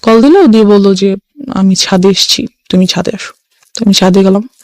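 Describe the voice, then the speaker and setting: A woman's voice: medium pitch, moderate pace, a little mellow, no room sound. Young woman, radio caller, hesitant storytelling, code-switching, dry sound. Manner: mixing English phrases into her speech, hesitant fillers. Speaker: caller sharing her life story.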